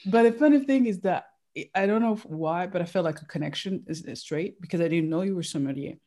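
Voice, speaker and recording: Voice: medium pitch, fast talker, warm tone. An interviewer chatting casually with a guest, talkative and laughing along.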